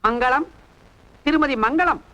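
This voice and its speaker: A pompous old professor, high voice. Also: male voice, unhurried, sharp tone, exaggerated voice, rough recording. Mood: formal. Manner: speaks in stiff formal literary Tamil. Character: pompous old professor, formal bookish speech. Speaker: neighbour professor. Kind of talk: 1980s film acting.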